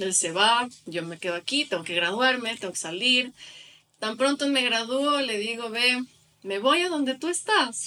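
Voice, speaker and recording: Lively intonation runs through a woman's ordinary speaking voice as she talks at a fairly slow pace. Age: 20s. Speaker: entrepreneur. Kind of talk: interview.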